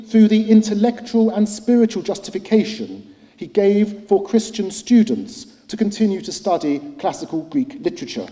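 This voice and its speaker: Middle-aged academic, high mellow voice, formal lecture with hesitant "uh"s, reverberant hall. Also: male voice. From United Kingdom. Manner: measured and articulate, with frequent hesitant "uh"s. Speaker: historian giving a lecture. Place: lecture hall at a cultural centre. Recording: long reverb of a large hall.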